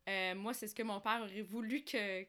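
A woman's voice: mid-range voice, steady tone, moderate pace, pushed and bright. A woman from Algeria chatting casually as a podcast guest, telling personal stories. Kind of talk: casual conversational storytelling.

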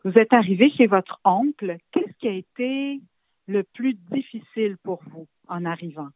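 A woman interviewer who asks slow, gentle, encouraging questions. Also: mid-range voice, lively intonation, dry recording. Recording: dry phone-line audio.

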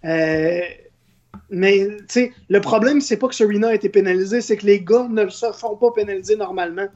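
A woman with a Quebec French accent gives her take in a relaxed back-and-forth. Her voice sits at a middle pitch on a dull, lo-fi recording, and she makes her case point by point with emphasis. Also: fairly quick. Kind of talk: casual opinionated discussion. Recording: dull, muffled lo-fi sound.

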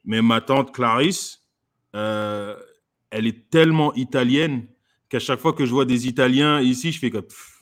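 A man's voice: medium pitch, moderate pace. Man, comedian guest, casual chat, hesitant, fillers, restarts. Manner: hesitant, many fillers and restarts, laughs often. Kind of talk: casual conversation.

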